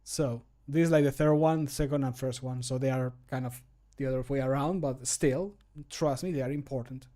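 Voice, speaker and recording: A man in his thirties, a streamer and hobby voice actor, chats casually on a livestream from a small room at home. His warm, mid-range voice stays steady at a normal speed with hardly any pauses. Speaking into a close desk microphone, he's jokey and self-deprecating, making playful sound effects while he works.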